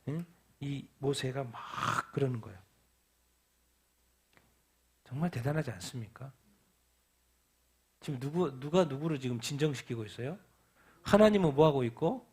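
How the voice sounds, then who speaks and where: A male pastor preaching at a midweek Bible study. He reads scripture slowly, then preaches with emphasis, asking the congregation questions and answering them himself. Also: medium pitch, creaky, a little mellow, breathy edge.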